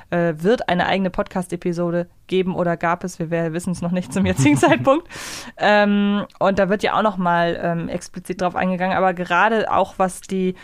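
A woman's voice: on the low side, no echo, studio quality. A woman co-hosting a podcast, casually discussing and explaining her opinions in loose, reflective asides. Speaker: podcast co-host. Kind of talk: casual discussion of an audio drama episode.

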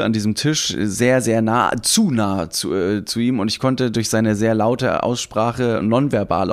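Enthusiastic man telling a long story. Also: lowish voice. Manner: enthusiastic, rambling, with many repeats. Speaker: podcast co-host. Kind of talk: casual storytelling chat.

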